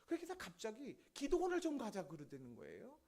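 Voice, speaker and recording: A man's voice: very high voice, wildly swooping pitch, brisk, vocal fry, mellow. A man preaching a sermon in a church, telling a testimony story and acting out the voices of the people in it. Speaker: pastor. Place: church sanctuary.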